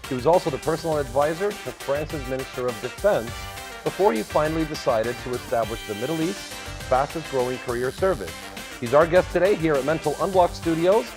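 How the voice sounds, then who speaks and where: A man hosting an interview show, upbeat and direct, prompting his guest with questions. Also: a little high. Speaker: podcast host.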